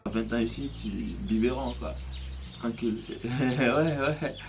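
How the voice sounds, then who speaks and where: Halting man in his thirties. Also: medium pitch, steady tone, music in the background. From Côte d'Ivoire. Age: 30s. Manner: hesitant, halting, many restarts. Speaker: interviewee. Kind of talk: personal testimony.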